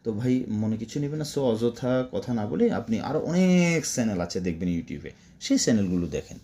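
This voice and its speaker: Male language tutor, native Bengali speaker, drilling Arabic words with a warm, animated delivery. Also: medium pitch, brisk. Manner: repetitive, drilling words, chatty asides. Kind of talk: spoken Arabic lesson for Bangla speakers.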